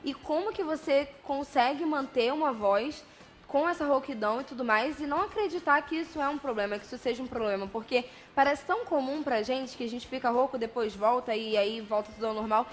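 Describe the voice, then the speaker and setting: A Brazilian woman hosts a studio talk show with a chatty, conversational manner. Her voice sits a little high. A faint hiss lies under the recording. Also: fairly quick. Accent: Brazilian Portuguese. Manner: chatty, conversational, animated questioning. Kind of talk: studio interview hosting. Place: television studio.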